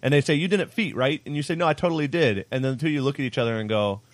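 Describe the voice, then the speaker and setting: A man's voice: mid-range voice, rapid-fire, no echo. A young man casually commentating his own tabletop battle, joking about his mistakes and laughing often. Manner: self-mocking, laughs often. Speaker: player narrating his own recorded game.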